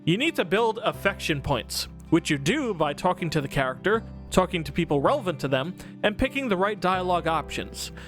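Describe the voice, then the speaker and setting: Guy doing a jokey game review, highish voice, swings up and down a lot, music underneath. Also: sing-song, brisk, fairly bright tone. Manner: casual, sweary, exaggerated emphasis. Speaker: video host and game reviewer. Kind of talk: scripted comedic review narration. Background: background music.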